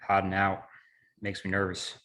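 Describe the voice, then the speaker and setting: An actor playing a wary, steady small-town man who leads a search, at a script table read. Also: deep voice, normal speed.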